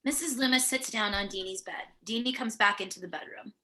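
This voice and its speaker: A woman's voice: mid-range voice, a little fast, bright, forceful tone. A woman narrating a screenplay, reading out scene headings and stage directions for a table read. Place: remote virtual table read.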